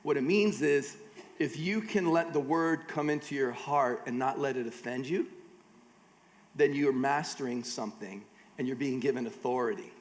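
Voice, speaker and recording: An American man with a slightly higher voice gives a relaxed, conversational sermon, dropping jokes between Bible readings. His voice rings with the long reverb of a large church auditorium. He sounds middle-aged. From United States. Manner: casual, joking asides between scripture readings. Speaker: guest preacher at a church conference.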